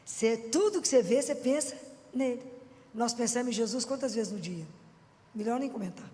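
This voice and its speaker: A woman's voice: on the high side, a little fast, dark tone, long reverb tail. A woman with a Minas Gerais accent preaching informally to an audience, chatty and full of rhetorical questions. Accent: Minas Gerais Portuguese. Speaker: Christian speaker.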